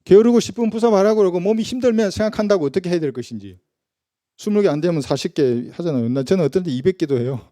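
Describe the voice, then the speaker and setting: A male pastor with a very mellow, warm tone and a fairly high pitch, preaching in a chatty, conversational way. He keeps asking his listeners rhetorical questions, and the sound is dry and close. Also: racing, no echo. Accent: Gyeongsang Korean. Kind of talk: sermon. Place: church.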